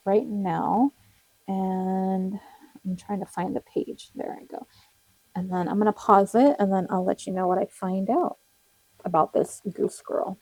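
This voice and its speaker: Casual tarot reader, young woman, rambling and friendly, voice going hoarse. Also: mid-range voice, mellow, no echo, highs cut off. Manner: chatty, rambling, with frequent fillers and little laughs. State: losing her voice, slightly cracking. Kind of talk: casual tarot reading to viewers.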